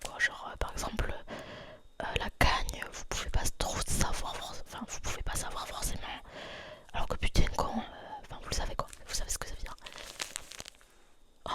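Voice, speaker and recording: Whispering young French woman. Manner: soft whisper, repeating words over and over. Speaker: ASMR creator. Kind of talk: whispered ASMR with triggers. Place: dimly lit room.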